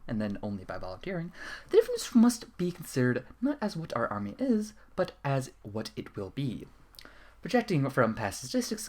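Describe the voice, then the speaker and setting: Fast, very animated man reading aloud. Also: medium pitch. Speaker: narrator. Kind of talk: dramatic reading of a fan fiction letter.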